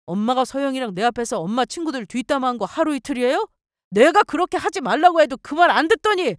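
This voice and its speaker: A protective young husband, voiced by a woman narrator talks back to his mother in a firm, reproachful way. His tone is earnest and lively, with a fairly high, dry story-radio sound. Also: normal speed, no echo.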